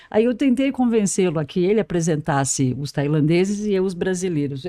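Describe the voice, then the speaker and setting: A woman talks at a moderate pace with a medium pitch. Her tone is dark and mellow, and her pitch swings very widely. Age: 70s. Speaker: communication mentor. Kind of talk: interview.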